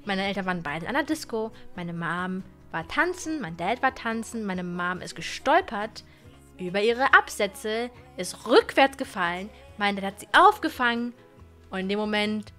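A woman in her twenties streaming from her gaming room into a boom-arm studio mic, chatting casually and animatedly with viewers, often stumbling and repeating words. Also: lively intonation, moderate pace, bright, forceful tone, faint music behind. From Germany. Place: gaming room with colored wall lights.

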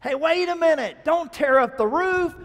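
A man doing a flustered homeowner, high and pleading. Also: moderate pace, vocal fry, fairly bright tone, in a large hall, heavily acted. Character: upset male homeowner pleading about his roof.

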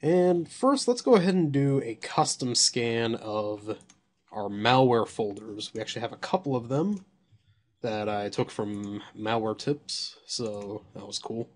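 A man with a slightly hoarse voice casually reviewing software at his computer, thinking aloud and swearing when surprised. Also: mid-range voice, unhurried.

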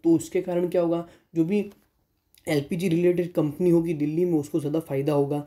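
A man narrates a stock analysis as the host of a market channel, reading ratios and prices off the slides. His tone is very dark and mellow, sitting a little high in pitch for a man. He mixes English terms into Hindi and now and then corrects himself mid-sentence. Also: flat delivery, fairly quick.

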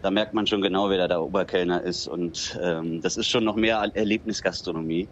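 Speaking low and fairly quickly, a Berlin-born bistro owner in his thirties, raised in Dithmarschen up north, relaxes into a casual interview as the guest. Small agreeing fillers like "genau" and "ähm" pepper his speech. The recording sounds muffled and carries slight background noise.

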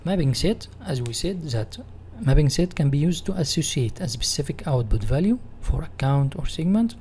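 Male instructor, Egyptian Arabic accent, mellow tone, explanatory tutorial read, some background noise. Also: on the high side, lively intonation, normal speed. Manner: repeats and rephrases in non-native English. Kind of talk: software tutorial reading slides and explaining.

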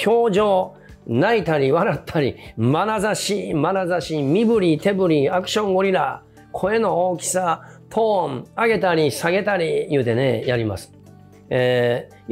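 A man with a Kansai accent, an educator and former junior high teacher, giving a morning motivational talk with emphatic repetition. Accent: Kansai Japanese. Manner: animated, emphatic, repeats key phrases.

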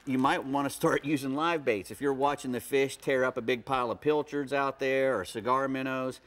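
Middle-aged guy on a tv studio set, lapel mic, loose rambly fishing tips, mid pitch. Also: steady tone, normal speed, a bit bright. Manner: rambling, restarts, folksy fishing talk. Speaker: fishing guest expert. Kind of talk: casual studio chat.

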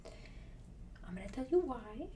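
A woman's voice: on the high side, very animated, a little fast, mellow, distant mic, a little hiss or hum. A young woman voicing a doting, chatty old Portuguese grandmother with a Portuguese accent in an ASMR roleplay, coaxing in broken English and repeating her reassurances. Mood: fussing, busy. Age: young adult. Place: small room at home, indoors.

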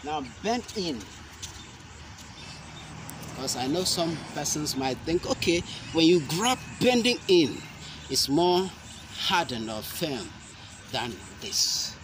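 A young man demonstrating self-defense moves, explaining each step slowly and deliberately, with sharp shouted cries on the strikes. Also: on the high side, big pitch swings. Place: outdoor concrete court. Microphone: camera mic at a distance. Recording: outdoor noise from a camera mic.

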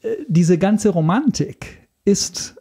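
A man speaking as a podcast guest in a casual interview, explaining things haltingly as he searches for words. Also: high voice, lively intonation, warm tone, husky.

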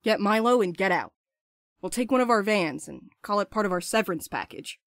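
A woman's voice: medium pitch, expressive, a little fast, no room sound, studio quality, lightly acted. A woman playing a restless, blunt courier in an audio drama, urgent and sardonic, eager to escape. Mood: eager, teasing.

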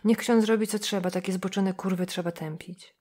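Kobieta jako brutalny, wulgarny oprych. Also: female voice, mid-range voice, steady tone, moderate pace, darkish tone, slightly rough, lightly acted. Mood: aggressive. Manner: coarse, raised voice. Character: brutal male thug, crude and aggressive.

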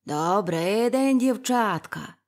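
A woman's voice: mid-range voice, expressive, takes it slowly, a little mellow. Storybook figure: sly, jolly old male forest spirit with a folksy chuckle; a woman reads it. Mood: cheerful.

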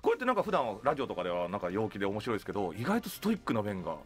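A man's voice: on the low side, huge pitch swings, rapid-fire. A man hosting an upbeat radio talk show from a studio. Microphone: studio boom microphone.

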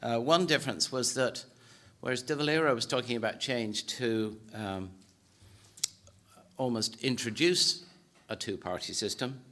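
A man in his sixties with an Irish accent, giving a formal lecture at a podium in a conference hall, measured and hesitant with many fillers. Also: lowish voice, pushed and bright. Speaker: political science professor giving a presentation. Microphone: podium microphone.

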